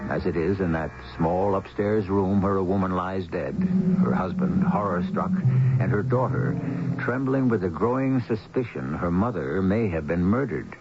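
A man narrating a radio mystery as its host, in a grave, portentous and deliberate manner. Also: low-pitched, animated, noisy background. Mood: ominous. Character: ominous male narrator of a mystery tale. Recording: muffled 1970s radio broadcast, music behind.

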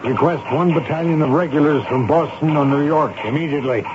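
An actor playing a stern, commanding army commander questioning subordinates with clipped authority in a 1970s radio drama. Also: male voice, a little high, brisk, lightly acted. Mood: urgent, decisive. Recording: muffled, noisy 1970s radio broadcast.

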